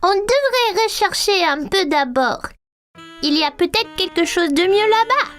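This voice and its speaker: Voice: very high voice, animated, a little slow, fairly bright tone, heavily acted. A cartoon actor voicing an eager, curious preschool boy in a French dub, with music behind. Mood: eager, amazed. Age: child character. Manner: eager, wide-eyed.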